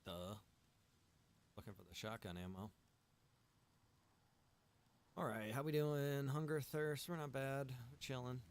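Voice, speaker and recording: A man chatting casually while streaming a survival game, rambling in a relaxed way to his viewers. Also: medium pitch, unhurried, long pauses, smooth. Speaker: streamer and server owner. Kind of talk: casual gaming stream chat.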